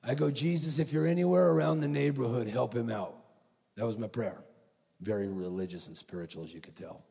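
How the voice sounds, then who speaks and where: A man preaching at a conference, telling a story with animated, acted-out quotes. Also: mid-range voice, a little fast, creaky, slightly rough. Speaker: conference speaker. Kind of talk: preaching sermon. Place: large conference hall. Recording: echoey hall.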